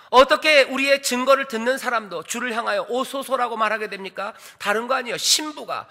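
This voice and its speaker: A man's voice: extremely high pitch, sharp tone. A man, a pastor, preaching a sermon in a church, asking the congregation questions and repeating cries of invitation. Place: church sanctuary. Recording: long hall reverb of a church.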